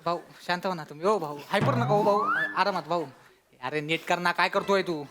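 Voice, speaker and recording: A flustered aide, played by a man, coaxing and soothing his boss in hurried bursts. His voice sits high. Loud music plays behind him on the comedy stage. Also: fairly even intonation, natural voice. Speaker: comic actor in a sketch.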